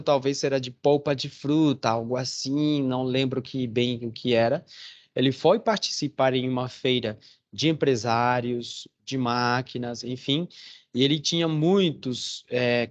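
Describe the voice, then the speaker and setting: A man's voice: mid-range voice, highs cut off. Chatty male teacher on a call. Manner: chatty storytelling with frequent "né?" and "tá certo?". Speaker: Portuguese teacher. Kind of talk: online class, casual teaching. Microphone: phone or computer on a video call.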